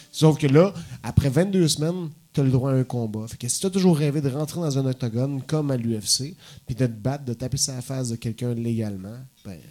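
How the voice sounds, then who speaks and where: Leaving long, frequent pauses, a man with a dark, mellow tone talks at a moderate pace, his loudness swinging widely, on a very clean recording with a silent background. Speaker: former mixed martial arts fighter. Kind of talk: casual chat. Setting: stage with audience.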